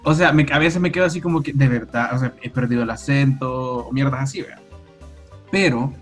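A young man with a Salvadoran Spanish accent, a podcast guest talking over a video call in relaxed, slangy chat. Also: mid-range voice, a little fast, faint music behind. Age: young adult. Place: room at home, indoors. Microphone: video call with earphones.

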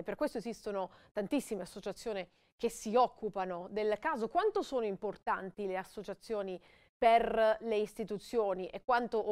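Smooth-voiced woman hosting a TV interview. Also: medium pitch, darkish tone, no echo, clean studio sound. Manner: prepared, leading questions with a rising "no?". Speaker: TV host. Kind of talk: TV health interview.

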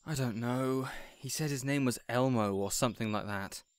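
A man playing a weary, reasonable young supervillain boss in a scripted audio roleplay, hesitant yet measured and exasperated. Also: mid-range voice, clean tone, dry recording, natural voice. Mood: exasperated, firm.

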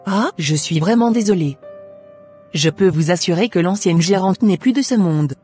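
A woman's voice: fairly low pitch, lively intonation, moderate pace, a little mellow, soft background music, lightly acted. A woman voicing a polite, apologetic shop manager in an amateur Christian cartoon.

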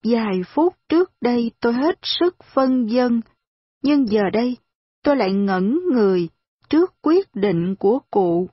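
A woman reading a novel aloud in a calm, steady storytelling voice. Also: a little high, a little slow, breathy edge, no room sound, muffled recording. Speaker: audiobook reader.

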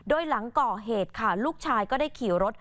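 A female co-anchor presents her part of the story in a polite, measured way. Her voice is slightly high, and the sound is dry and close. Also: fairly bright tone, no room sound. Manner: polite, measured, brief acknowledgements. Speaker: news co-anchor. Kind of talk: news presentation.

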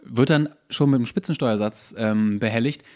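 A man's voice: medium pitch, moderate pace, darkish tone. A man hosting a podcast, explaining and ranting in a casual, colloquial way. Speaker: podcast host.

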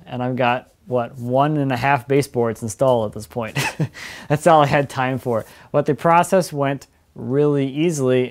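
Laid-back young man in his workshop. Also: medium pitch. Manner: relaxed, laughs often between points. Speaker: woodworking video host. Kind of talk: casual workshop update. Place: home woodworking shop.

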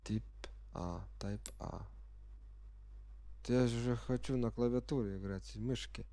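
A sick man speaking as a non-native speaker, giving halting, unsure commentary as he plays a game for the first time and reads the menus aloud. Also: medium pitch, steady tone, mellow. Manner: reads game menu text aloud while puzzling over it. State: sick with a virus. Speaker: gamer playing on camera.

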